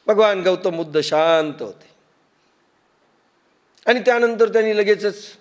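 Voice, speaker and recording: A man with a Marathi accent preaching a sermon, telling stories with acted-out quotes and everyday examples, and chanting scripture verses slowly. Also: high-pitched. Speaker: spiritual teacher.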